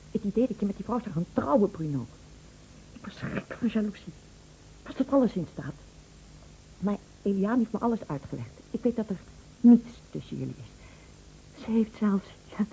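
Woman as a mellow-voiced, troubled unfaithful wife. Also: medium pitch, lightly acted. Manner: hesitant, earnest. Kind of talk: Dutch radio drama acting. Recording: dull lo-fi radio recording, faint hum.

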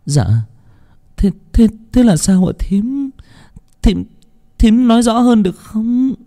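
A man's voice: extremely high pitch, normal speed, mellow, voice pushed up. A man voicing a timid young woman who stammers out hesitant questions. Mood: hesitant, puzzled. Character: young woman, timid and frightened daughter-in-law.

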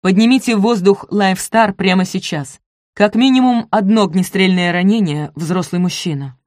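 Brief: a woman playing a commanding male detective, forceful and clipped, dry close read. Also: mid-range voice, normal speed, dry recording, lightly acted. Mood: urgent. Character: tough male state police detective, commanding.

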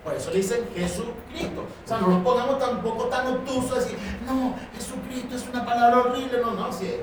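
A fairly high-voiced man leads a class, pressing his listeners with pointed questions. He is heard from across a very echoey room. A steady noise runs underneath him. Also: fairly quick. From born in Chile, raised in Venezuela. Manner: probing, keeps asking rhetorical questions. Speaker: teacher leading a Bible class. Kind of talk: Socratic class discussion. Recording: echoey room, voice from far off, noisy.

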